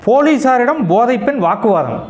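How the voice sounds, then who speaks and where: A man's voice: extremely high pitch, very animated, normal speed. A man hosting a comedy news show, reading each headline and then mocking it with sarcastic asides. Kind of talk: satirical news reading with quips.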